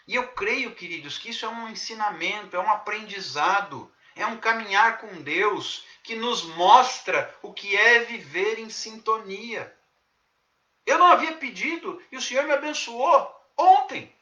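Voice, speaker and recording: A man preaching as a pastor, telling a testimony in an earnest, preacherly way with dramatic pauses. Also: high-pitched, sharp tone. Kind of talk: devotional testimony sermon. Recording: echoey room.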